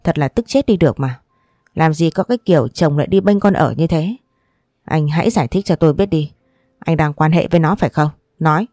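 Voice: a little fast, darkish tone, no echo, clean studio sound, natural voice. A storyteller voicing a jealous, quarrelsome young wife who accuses and whines. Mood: accusing. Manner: shrill accusing, whining.

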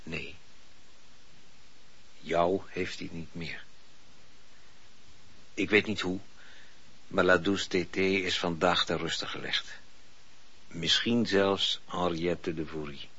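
An actor playing a stern, firm husband in a Dutch radio drama, with a husky voice. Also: male voice, sits low, fairly even intonation, takes it slowly, long pauses, bright, forceful tone, full character voice. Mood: firm, unyielding. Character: stern, firm husband William, soothing yet unyielding. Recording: dull lo-fi radio play recording.

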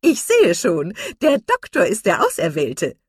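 A woman's voice: mid-range voice, wildly swooping pitch, unhurried, slightly rough, no echo, clean studio sound, pitched above the performer's own voice, full character voice. A woman voicing a jolly, nosy older matron who teases boisterously. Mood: teasing. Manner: boisterous, teasing.

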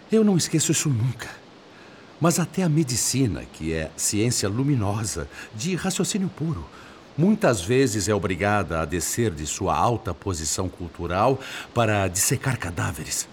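Hurt indignant older dad, brazilian radio drama, lowish voice that swings all over, very theatrical. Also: male voice, slight background noise. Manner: emphatic, theatrical, impassioned. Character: indignant, wounded older father, a spirit, venting grief.

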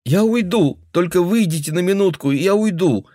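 A man's voice: on the high side, expressive, measured pace, no room sound, studio quality, pitched above the performer's own voice. A man voicing a frightened young woman who pleads with an old man. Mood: pleading.

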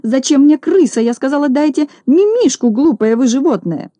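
Storybook: woman reader doing a hysterical shrill rich lady, high-pitched and shrieking. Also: expressive, measured pace, dark tone, dry recording. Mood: shrieking disgust. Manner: shrieking, squeamish, scolding. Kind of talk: audiobook character voice.

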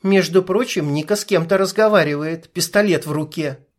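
Male narrator doing a blunt young woman sniper for an audiobook; high voice, curt and impatient. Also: moderate pace, close to an everyday voice. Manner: brash, clipped, swears. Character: tough young female sniper, blunt and tense.

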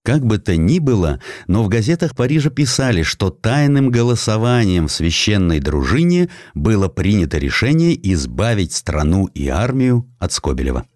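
Deep-voiced male narrator, expressive delivery. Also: moderate pace, hardly any pauses, no echo, studio quality. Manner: expressive storytelling, voicing quotations. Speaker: audiobook narrator. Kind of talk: dramatized scripted narration of a historical sketch.

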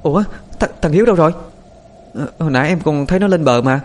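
Male narrator voicing a young girl, older sister, shrill and desperate, lively pitch. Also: fast talker, close to an everyday voice. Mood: frantic. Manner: crying, pleading, high-pitched.

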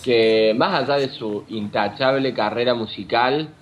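A man's voice: medium pitch, measured pace, lo-fi sound, faint music behind. A man with an Argentine Spanish accent, co-hosting a casual chat about a TV show, enthusiastic and repeating words as he thinks. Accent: Rioplatense Spanish. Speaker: co-host.

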